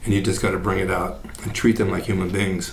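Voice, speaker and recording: A man with a Californian accent speaks at a fairly quick pace. Noticeable background noise and audible room echo come through. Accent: American (Californian). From California (Bakersfield). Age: 70s. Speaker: retired bodybuilder and YouTuber. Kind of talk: casual monologue.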